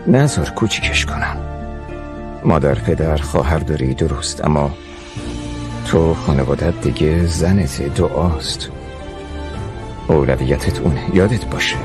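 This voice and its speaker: A wise older uncle with a very deep voice, steady and fatherly as he counsels his nephew. A soft music score plays beneath him. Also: long pauses. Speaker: uncle giving advice. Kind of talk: Persian drama dubbing.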